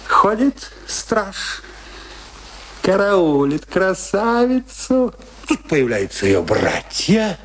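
An actor playing a domineering, mocking military husband in a radio drama, declaiming sardonically in drawn-out phrases. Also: male voice, medium pitch, fairly bright tone, a little hiss or hum, exaggerated voice. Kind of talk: radio play acting.

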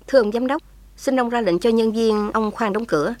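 A woman voicing a brisk foreign journalist. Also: fairly high pitch, a little mellow, dry recording, close to an everyday voice. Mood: formal. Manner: formal, brisk questioning.

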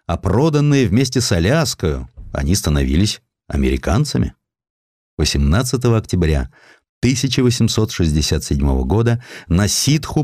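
Low-voiced, animated male storyteller, dry sound. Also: no room sound. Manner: theatrical, storytelling with deliberate pauses. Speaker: audiobook narrator. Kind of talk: dramatic scripted narration of historical stories.

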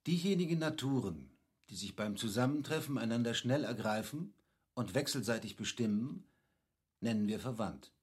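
In a classic German radio play, a man performs a learned, courteous captain, a cultivated figure who patiently explains things. His mid-range voice is husky and animated, and his delivery is measured, didactic, and formal, with a patient, instructive mood.

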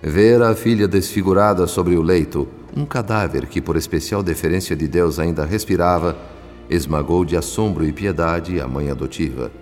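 A Brazilian man reading scripted, literary radio drama narration in a measured, formal and solemn storytelling manner. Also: low voice, darkish tone. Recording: long reverb, music behind. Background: background music.

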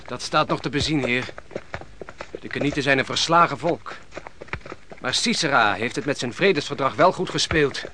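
An actor playing a respectful, sober-minded soldier in a radio play, speaking earnestly. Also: male voice, mid-range voice, moderate pace, pauses often, bright, forceful tone, slight background noise, lightly acted. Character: deferential soldier, sober-minded aide to his commander.

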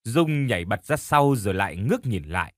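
A man's voice: on the low side, sing-song, fairly quick. A man narrating a horror audiobook in an emotive, dramatic storytelling style.

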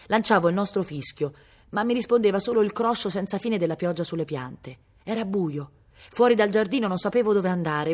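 A woman reading a novel aloud in a measured, steady way, recorded at a public library. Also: lowish voice. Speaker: reader.

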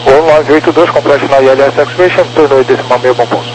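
A man with a mid-range voice delivers clipped air traffic phraseology. He comes through an aviation radio with clear static and hum. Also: medium pitch, fast. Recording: noisy crackly radio transmission with hum.

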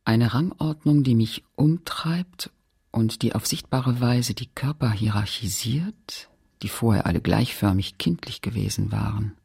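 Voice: mid-range voice, measured pace, vocal fry, darkish tone, slightly rough, exaggerated voice. An actor playing a woman who looks back on her Catholic girlhood in sober, literary radio-play narration, observant and introspective. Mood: reflective, sober.

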